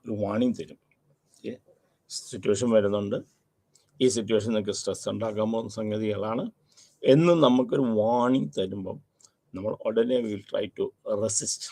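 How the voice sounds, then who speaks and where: Man, lecturer, gravelly voice, husky tone, repeats key terms, mixes in English phrases. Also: fairly low pitch, mellow. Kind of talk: recorded university lecture.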